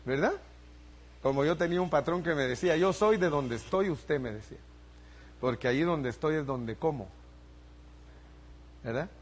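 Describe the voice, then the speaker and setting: A man's voice: a little high, expressive, moderate pace, long pauses, breathy edge. An older male pastor preaching a sermon, asking the congregation for responses and building emphasis.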